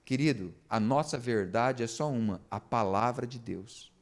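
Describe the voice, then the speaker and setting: A pastor with a medium-pitched, darkish voice preaches a sermon during a church service, putting rhetorical questions to the congregation.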